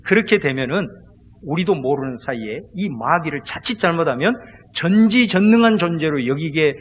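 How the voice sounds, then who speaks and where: Male pastor, high lively voice, husky edge, emphatic sermon delivery; recorded in a long-reverb hall. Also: normal speed. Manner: emphatic preaching, leads the congregation in call-and-response repetition; swings between loud exclamations and hushed asides.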